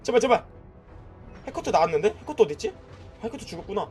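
A man's voice: sits high, fast, breathy edge, faint music behind. A man streaming a mobile game, commenting live, cheering and trash-talking the enemies. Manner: excitable, shouting at enemies and cheering; trash-talking with frequent "nice" and "that's it".

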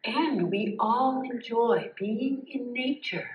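A woman voicing a calm, curious green snake in a live puppet show, who asks polite, thoughtful questions. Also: on the high side, takes it slowly, lo-fi sound. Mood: musing. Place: stage. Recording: roomy sound from a distance.

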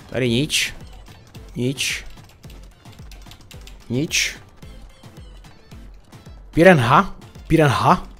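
A man chatting playfully over his gameplay, addressing his viewers as friends. His voice sits somewhat high and swings widely in pitch. Faint game music plays underneath. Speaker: gaming YouTuber. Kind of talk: casual gameplay commentary.

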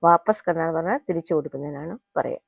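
Low-voiced woman teaching phrases slowly. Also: creaky, breathy edge, no room sound. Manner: repeats phrases slowly, then explains quickly. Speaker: Hindi teacher. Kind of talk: spoken language lesson.

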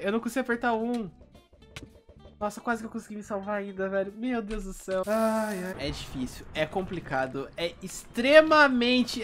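A young man with a Brazilian Portuguese accent giving live gameplay commentary, constantly complaining in an exasperated way and now and then bursting into shouts. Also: high-pitched. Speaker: gaming youtuber.

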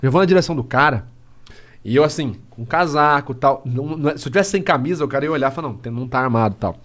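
Young male podcast guest, quick, fairly high, animated storyteller. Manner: lively, acts out scenes and quotes. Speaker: podcast guest, private investigator.

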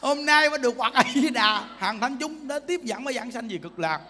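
A Buddhist monk preaches with a bright, forceful, very high voice. He keeps pressing his listeners with emphatic rhetorical questions. His words ring out with a long reverb, as if in a large hall. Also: animated, normal speed, a little hiss or hum. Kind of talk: sermon.

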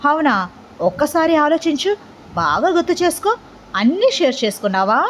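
A woman voicing a sarcastic young man, slightly higher. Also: brisk, a little hiss or hum, close to an everyday voice. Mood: needling. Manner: dry, needling, sarcastic.

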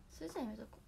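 A hoarse young woman chatting casually on her livestream, thanking viewers by name for their gifts. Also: noisy background. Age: young adult. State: hoarse after a nap. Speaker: idol livestreamer.

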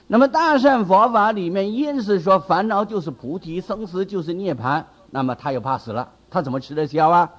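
A man's voice: high-pitched, brisk, few pauses. A man, a Buddhist monk with a Taiwanese Mandarin accent, lecturing on a sutra and acting out a frightened disciple with cries and exclamations. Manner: animated, acts out the disciple's fear with exclamations.

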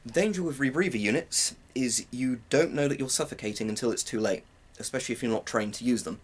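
He speaks quickly at a medium pitch: a British twenty-something who presents military gear reviews. The explanation is informal and wandering as he demonstrates equipment, and the home-room recording, from a small cluttered space, is clearly noisy.

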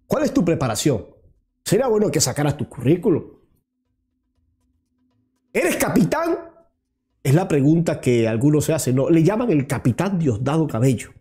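A man's voice: fairly high pitch, very animated, moderate pace, long pauses, warm tone, soft background music. A man in his thirties hosting political commentary, combative, firing rhetorical questions straight at his target, recorded on a lapel mic in a small studio. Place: small studio with virtual set.

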